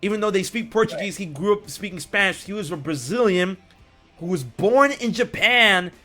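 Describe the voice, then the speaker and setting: A young American man hosting a podcast, telling a story in casual chat and acting out quotes with sudden loud jumps. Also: high-pitched, lively intonation, moderate pace, soft background music. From United States. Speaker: podcast host.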